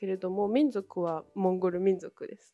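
A woman speaks in a dark, mellow tone, recorded dry and close with no echo. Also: quiet background. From Inner Mongolia, China. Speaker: former student, working professional. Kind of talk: interview answers.

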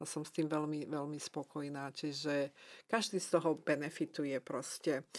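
On a very clean recording with a silent background, a woman with a very deep, low voice speaks at a moderate pace with fairly even intonation. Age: old. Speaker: chair of a pensioners' club. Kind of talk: radio interview. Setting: radio studio.

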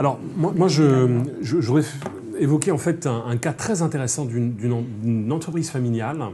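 A fairly high-pitched man at a fairly quick pace, ordinary pitch variation and noticeable background noise. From France, Seine-Saint-Denis (Paris suburbs). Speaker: social entrepreneur, recruitment agency founder. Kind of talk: interview on a live show. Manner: hesitant, with frequent repetitions.

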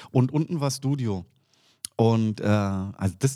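A man's dark, mellow tone with lively intonation, on a very clean recording with a silent background. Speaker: former radio host and hip-hop veteran. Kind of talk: casual chat.

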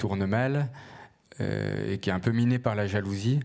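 Here a man talks at a fairly slow pace. His voice is fairly low with ordinary pitch variation. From France, Jura. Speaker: novelist. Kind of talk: author interview before live audience. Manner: halting, many repetitions.

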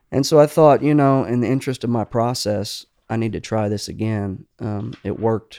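In a very clean recording with a silent background and a dry, close sound with no echo, a man with a dark, mellow tone and medium pitch speaks at a fairly quick pace with ordinary pitch variation. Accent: Texan. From Houston, Texas. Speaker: singer-songwriter. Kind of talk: casual chat. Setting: home studio.

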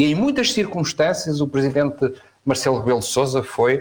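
A man at a medium pitch, somewhat breathy, with lively intonation at a moderate pace. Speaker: politician. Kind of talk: political debate. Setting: live-streamed studio debate.

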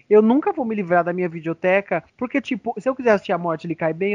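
This man's voice sits high, and its pitch rises and falls in an ordinary way. The audio is dry and close, free of any echo. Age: 30s. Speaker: podcast guest. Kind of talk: casual chat.

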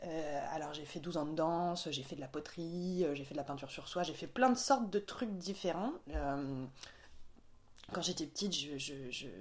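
A woman speaks at a moderate pace in a very deep, low voice, her pitch rising and falling in an ordinary way. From Paris, France. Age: 20s. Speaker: author and film director. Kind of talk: interview. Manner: hesitant, many fillers.

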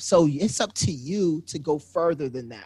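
A somewhat breathy voice in a very clean recording with a silent background. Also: man. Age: 30s. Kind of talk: casual chat.

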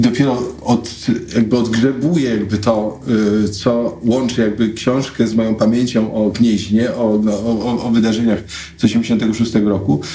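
A man speaks at a fairly slow pace with medium pitch and fairly even intonation. Audible room echo and noticeable background noise are present. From Poland, Gniezno. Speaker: film director and screenwriter. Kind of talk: interview conversation. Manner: halting, many fillers.

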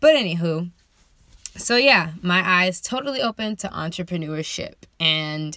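Speaking at a fairly slow pace with an American accent, this voice has a bright, sharp tone, captured on a very clean recording against a silent background. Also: woman. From San Diego, California, US. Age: 20s. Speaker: podcast host, aspiring entrepreneur. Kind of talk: personal monologue podcast. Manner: casual, filler-heavy.

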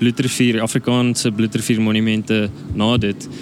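Noticeable background noise runs behind the recording. A man speaks over it at a moderate pace. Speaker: visual artist. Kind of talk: casual interview.

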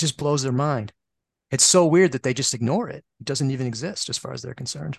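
With an American accent and vocal fry, a man talks at a very fast pace at medium pitch with ordinary pitch variation, the sound dry and close with no echo. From US Midwest. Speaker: astrologer. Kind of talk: interview.

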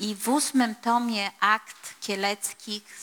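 Her tone is bright and sharp as this woman speaks at a medium pitch with fairly even intonation. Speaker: author, journalist. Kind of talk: interview at book launch. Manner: halting.

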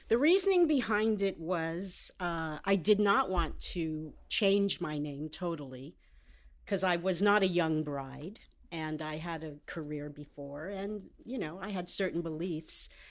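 A woman's fairly low voice in an American accent, at a fairly slow pace with ordinary pitch variation on a very clean recording with a silent background. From Central California. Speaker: television writer and producer. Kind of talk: casual chat.

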